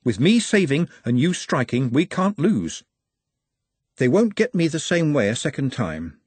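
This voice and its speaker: Man voicing a gentle, earnest young-hearted orc, very dry recording. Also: a little high, sing-song, measured pace, slightly rough, no echo, pitched above the performer's own voice, full character voice. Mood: confident, encouraging. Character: gentle, earnest, courteous orc goalkeeper, male.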